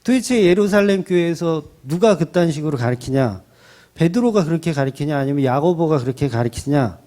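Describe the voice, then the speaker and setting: A man preaching a Sunday sermon, his pitch swinging widely as he talks. His voice sits a little high but has a mellow, dark tone. He tells the Bible story in a dramatic, conversational way. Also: a little fast. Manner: colloquial, dramatic storytelling with acted quotes; animated, rising and falling delivery. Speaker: pastor.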